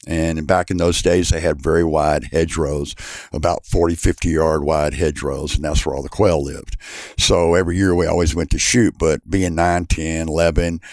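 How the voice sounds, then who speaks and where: Fairly even in intonation, a man's very deep, low voice moves at a moderate pace. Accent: Texan. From Texas, Houston. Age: 60s. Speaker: shooting instructor and champion. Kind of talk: interview storytelling. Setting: podcast.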